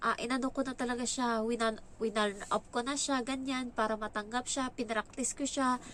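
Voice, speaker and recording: A woman's voice: fairly high pitch, fairly even intonation, moderate pace, a bit bright, slight background noise. A young woman with a Filipino accent telling a story in casual vlog chat. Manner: chatty, acts out quoted lines in a raised voice. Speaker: vlogger.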